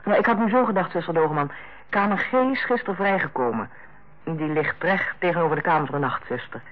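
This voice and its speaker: An actress playing a tactful, composed middle-aged hospital director in a Dutch radio play, speaking in a measured, formal way. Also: female voice, on the low side, animated. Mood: businesslike. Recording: tinny, narrow-band old radio recording.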